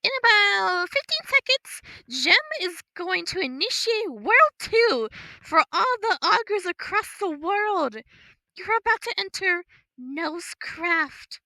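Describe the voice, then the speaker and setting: A woman voicing a cheerful female AI assistant that speaks inside someone's head, bright and bubbly. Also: very high voice, very animated, slow pace, no room sound, voice pushed up, full character voice, rough recording.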